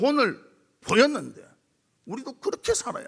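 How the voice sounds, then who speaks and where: A man speaks with a strong Gyeongsang accent and lively intonation. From Gyeongsang region, South Korea. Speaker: senior pastor. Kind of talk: sermon. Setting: church.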